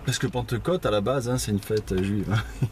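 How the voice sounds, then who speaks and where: A man's voice: lowish voice, normal speed, background noise. A man giving an informal Bible teaching at a house church, conversational, with many fillers and asides. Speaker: preacher.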